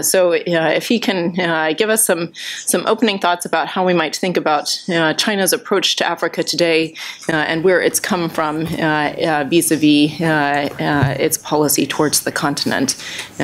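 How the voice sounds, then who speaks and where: A woman with a very low voice introduces the panelists, hesitating often between phrases. Faint background noise sits under her speech. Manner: hesitant, many fillers. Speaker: moderator.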